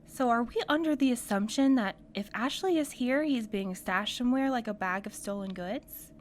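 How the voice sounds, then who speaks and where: A woman's voice: fairly high pitch, moderate pace, slight background noise, close to an everyday voice. A woman acting in an audio drama as a loyal but uneasy companion with a sardonic, questioning manner. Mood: sardonic, nervous.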